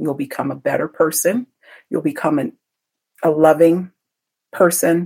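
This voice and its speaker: Fairly low female pitch with ordinary variation. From Nigeria, moved to US at nine. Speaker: fashion entrepreneur. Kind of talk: interview.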